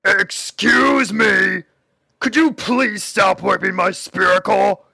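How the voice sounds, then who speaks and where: A put-upon shark grumbles through a storybook tale with dry sarcasm. The voice is raised in pitch and piercingly bright, with a creaky edge and drawn-out, exasperated phrasing. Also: male voice, steady tone, no echo, full character voice.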